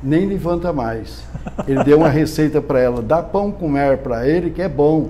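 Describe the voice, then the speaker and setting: A man's voice at a fairly high pitch and a moderate pace, with fairly even intonation, audible room echo and noticeable background noise. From interior of São Paulo state and Paraná, Brazil. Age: 70s. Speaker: film actor. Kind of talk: interview, personal storytelling.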